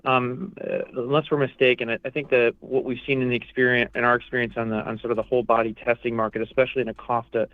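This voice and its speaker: A man's voice: medium pitch, fast talker, hardly any pauses, no room sound. A man speaking as a financial analyst asking a question on an earnings call, tentatively repeating and rephrasing himself. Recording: flat dry phone line.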